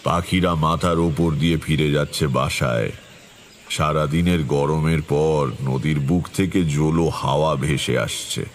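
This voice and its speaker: An actor playing a seasoned, self-assured tantric who recounts his eerie tales in a measured, atmospheric, dramatic first-person style. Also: a bass voice, fairly even intonation, slight background noise. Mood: reflective, suspenseful. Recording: music behind the voice.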